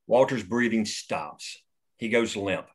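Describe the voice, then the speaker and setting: A man reading the stage directions aloud at a script table read in a steady, plain way. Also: fairly low pitch, slow pace, breathy edge.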